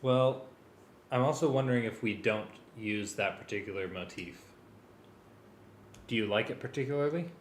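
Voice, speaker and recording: A man's voice: on the low side, normal speed, long pauses. A man in a casual working discussion about arranging music, thinking aloud in a hesitant way. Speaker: music arranger rehearsing for a live script reading. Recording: echoey room with faint background noise.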